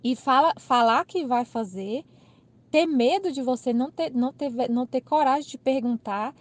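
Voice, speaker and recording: A woman's voice: sits high, moderate pace. Chatty Brazilian woman telling a story. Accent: Brazilian Portuguese. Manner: animated, laughing retelling with quoted dialogue. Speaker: channel host. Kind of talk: casual storytelling.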